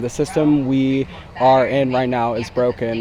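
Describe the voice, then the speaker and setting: A man with an American accent and medium pitch, amid noticeable background noise. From Morgantown, West Virginia. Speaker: protester. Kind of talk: street interview.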